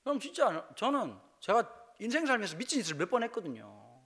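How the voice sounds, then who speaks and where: A man's voice: high-pitched, fairly quick, slightly rough. A man from Busan with a Gyeongsang accent, a pastor telling funny personal stories in a revival sermon and acting out dialogue in dialect. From Busan, South Korea. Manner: lively, jokey, acts out dialogue in dialect. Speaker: guest pastor preaching a revival service. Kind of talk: humorous storytelling sermon. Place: church sanctuary.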